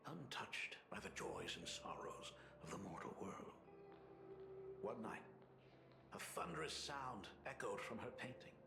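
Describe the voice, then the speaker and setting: Grave tender middle-aged dad in a video game, gravelly soft voice, reverby, music under it. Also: male voice, lowish voice, heavily acted. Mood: gentle storytelling. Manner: measured, grave, softly spoken. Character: solemn, tender middle-aged father, artist and academy dean. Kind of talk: dramatic game voice acting. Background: background music.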